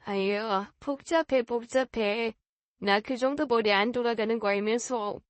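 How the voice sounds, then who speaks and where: Storybook fiancé, a gentle quiet young man, voiced by a woman, plain and earnest, a little higher than most, close and dry. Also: measured pace, no echo, close to an everyday voice. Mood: teasing.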